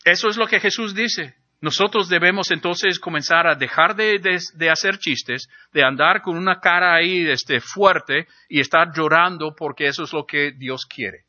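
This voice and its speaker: Guy preaching a sermon, fairly high voice, explains things step by step, kinda muffled recording. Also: normal speed, few pauses, sharp tone. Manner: earnest, explanatory preaching with rhetorical questions. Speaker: pastor.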